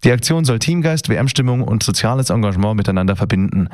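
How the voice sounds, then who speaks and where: A man's voice: fairly low pitch, lively intonation, fast talker, darkish tone, no echo. Male radio reporter, dry sound. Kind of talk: news report.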